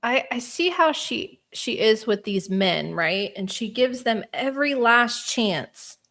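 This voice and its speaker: A woman's voice: a little high, lively intonation, slow, a bit bright. A woman hosting a casual livestream chat, rambling and thinking aloud with many fillers. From Spain. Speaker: host.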